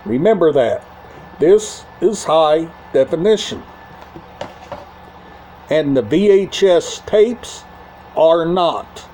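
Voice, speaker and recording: A man hosting a casual video, talking in short, halting phrases and often repeating himself. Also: fairly high pitch, expressive, warm tone, slight background noise. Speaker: YouTube channel host. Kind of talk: casual talk to camera about a media collection.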